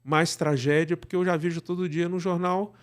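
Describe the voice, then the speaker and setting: A middle-aged Brazilian man speaking casually as an interview guest, illustrating his points with imagined remarks in an animated conversational way. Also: fairly high pitch, brisk, clear, resonant tone. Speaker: guest, director and cultural producer.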